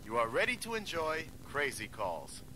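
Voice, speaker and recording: A man's voice: mid-range voice, huge pitch swings, normal speed, noisy background. Man announcer on old worn tape. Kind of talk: scripted instructions.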